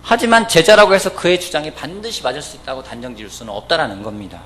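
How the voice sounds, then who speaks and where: A man preaching a weekday church sermon, telling stories and acting out the people he quotes. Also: quick pace. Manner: storytelling, acting out quoted voices, lively pitch. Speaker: pastor. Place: church service.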